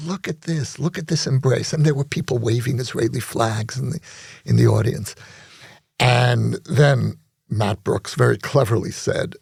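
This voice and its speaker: A man co-hosting a podcast discussion, telling stories in a reflective, measured way. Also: mid-range voice, gravelly, darkish tone, husky, no room sound, studio quality. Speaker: podcast co-host.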